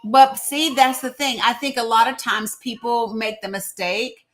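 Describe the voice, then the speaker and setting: A woman's voice: on the high side, normal speed, a bit bright. A middle-aged woman, hosting a casual political live chat in an informal, encouraging way. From Tennessee, United States. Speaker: live stream host.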